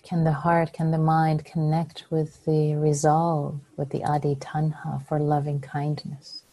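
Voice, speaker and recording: A woman leading a guided meditation as a teacher, speaking softly and soothingly with long pauses, her breathy voice at times close to a whisper. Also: sits low, completely flat delivery.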